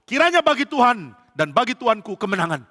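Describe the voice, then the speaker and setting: A man's voice: very high voice, sing-song, brisk, bright, forceful tone, voice pushed up, heavily acted. A male pastor voicing a formal royal messenger who reads out a battle report in a sermon story. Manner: formal, ceremonial. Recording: church hall reverb.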